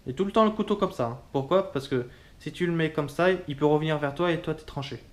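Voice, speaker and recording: Chatty man demonstrating kitchen tools. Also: on the high side. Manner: chatty, informal, halting with many fillers. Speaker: cooking instructor. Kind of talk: casual kitchen tool demonstration.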